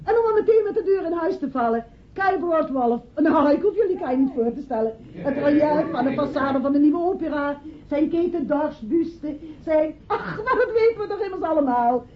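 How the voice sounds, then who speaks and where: Casting: gushing female party hostess, high and very animated, radio drama, muffled. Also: normal speed, hardly any pauses. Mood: effusive. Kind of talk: radio play acting. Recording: muffled radio recording with crowd murmur.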